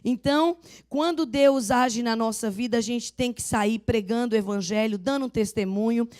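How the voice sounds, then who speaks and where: Older woman, Northeastern Brazilian accent, pastor, sermon, slightly high voice, animated storytelling. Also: moderate pace. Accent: Northeastern Brazilian Portuguese. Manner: animated storytelling, loud booming laugh; acts out voices of people in her stories.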